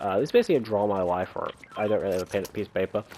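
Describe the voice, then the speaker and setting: Lively intonation runs through this speech. The man has an English accent. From England, Hull. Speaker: gaming YouTuber. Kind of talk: casual gameplay commentary, life story. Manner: halting, many fillers.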